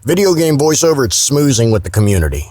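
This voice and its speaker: A man talks as an interview guest in a loose, conversational way, often padding with "you know". His voice sits at middle pitch and the sound is very dry. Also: sing-song, fast talker, darkish tone, no echo. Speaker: guest voice actor. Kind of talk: casual interview chat.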